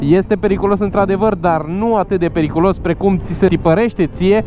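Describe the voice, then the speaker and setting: Clear music plays behind a man speaking with ordinary pitch variation in a dry sound with no echo. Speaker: motovlogger. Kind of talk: casual vlog chat. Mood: reflective, advising. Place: motorbike. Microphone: helmet.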